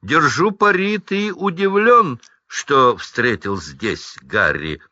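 A mocking, spoiled teenage wizard boy, voiced by a male audiobook reader in a sharply raised, bright voice that swings about. He jeers with a sneer. The sound is dry and somewhat dull, like a lo-fi audiobook. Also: high voice, lively intonation, slow pace, slightly rough, dry recording, pitched above the performer's own voice, heavily acted. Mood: taunting. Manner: taunting, mocking.

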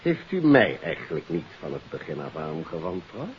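An actor playing a courteous, earnest German police inspector in a 1950s radio detective play, questioning formally and deliberately. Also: male voice, rumbling low, sing-song. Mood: earnest, probing. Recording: hissy, dull 1950s radio recording.

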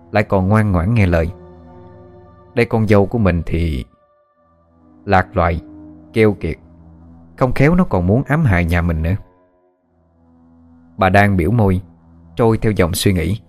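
A man narrating a ghost story in a steady storytelling manner. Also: low voice. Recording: faint music behind.

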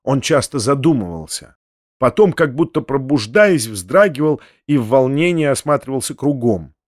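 A man reading a classic novel aloud in steady, expressive scripted narration. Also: mid-range voice, normal speed, no echo, clean studio sound. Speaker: audiobook narrator.

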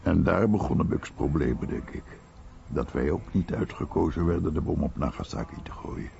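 Very deep, gravelly war veteran. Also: male voice, normal speed, dark tone, exaggerated voice. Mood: wistful reflection. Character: old American war veteran recalling his bomber pilot comrade. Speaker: voice-over of a veteran's testimony. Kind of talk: documentary radio play monologue. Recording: dull, noisy radio recording.

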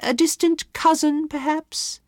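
A woman doing a shrill, demanding society hostess. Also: fairly even intonation, measured pace, no room sound, clean studio sound. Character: imperious society hostess, lady, middle-aged.

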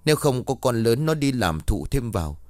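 A man's voice: medium pitch, sing-song, normal speed, a little mellow, no echo, soft background music, lightly acted. A man voicing a tearful widowed daughter-in-law in a ghost story, pleading with her mother-in-law.

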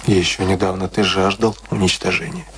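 A man's voice: sits low, level tone. Firm, blunt man, noisy recording. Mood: dry, blunt. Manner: measured, commanding, dry. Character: firm, blunt family friend tending a sick man. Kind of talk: radio play acting. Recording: noisy radio play recording with clicks.

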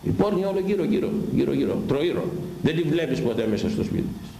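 A man preaching a fiery sermon, shouting and scolding his listeners with wide swings in pitch. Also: expressive, creaky, roomy sound, slight background noise, low-quality recording.

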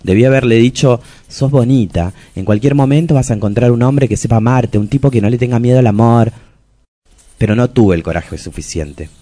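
A man's voice: mid-range voice, a little fast, warm tone, dry recording, lightly acted. A man with an Argentine accent playing a lovelorn, bitter trans woman reading out a confessional diary in a radio play. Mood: pitying, sardonic. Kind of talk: literary monologue in a radio play.

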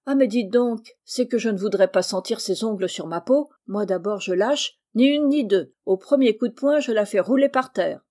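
A woman reading the part of a rough, jolly carter with loud, rustic country speech. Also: medium pitch, normal speed, hardly any pauses, close to an everyday voice. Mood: blustering.

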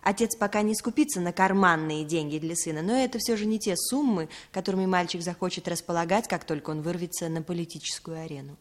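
A woman's voice: lowish voice, fast, hardly any pauses, close to an everyday voice. A woman playing a clever, composed young female agent in a 1960s radio play, speaking in a poised, polished way. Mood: businesslike.

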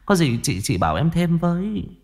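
A man's voice: on the high side, sing-song, normal speed, creaky, a little mellow, pitched above the performer's own voice, full character voice. A man voicing a fawning woman, the household's second wife, who speaks sweetly and hesitantly. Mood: ingratiating.

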